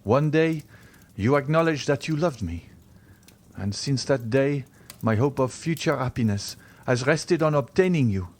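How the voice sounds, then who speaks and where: A man's voice: mid-range voice, expressive, measured pace, darkish tone, pitched above the performer's own voice. Man playing a proud, desperate young lover. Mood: bitter resignation. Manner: earnest, formal, intense. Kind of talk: dramatized audiobook reading of a classic novel.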